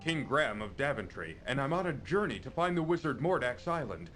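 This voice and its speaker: A man's voice: medium pitch, very animated, brisk, fairly bright tone, soft background music. A man voicing an earnest king on a quest in an adventure video game, pleading for help. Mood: earnest, lost.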